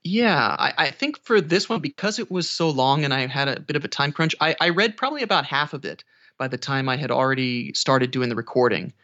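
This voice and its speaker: A man's voice: mid-range voice, expressive, fairly quick, pushed and bright, muffled recording. A man who narrates audiobooks, talking casually as a guest in an interview.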